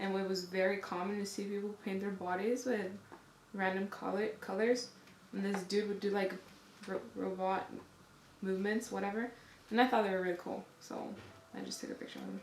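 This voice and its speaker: In a Spanish accent, a woman at medium pitch speaks at a fairly quick pace with monotone, flat intonation and long, frequent pauses, amid audible room echo and noticeable background noise. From Tijuana, Mexico. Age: young. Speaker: college student. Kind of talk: interview.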